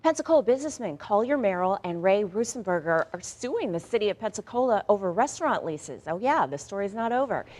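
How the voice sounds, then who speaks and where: A woman's voice: mid-range voice, sing-song, brisk, hardly any pauses, a little mellow. A woman anchoring morning news, mixing read stories with playful, casual banter aimed straight at listeners. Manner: conversational, playful, addresses listeners directly.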